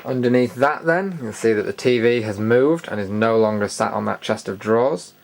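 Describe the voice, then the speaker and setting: A British man with a lowish, creaky voice narrates a casual, unscripted tour at a moderate pace, sounding matter-of-fact and dryly opinionated as a video host. It's off-the-cuff show-and-tell recorded in an indoor studio room, with noticeable background noise.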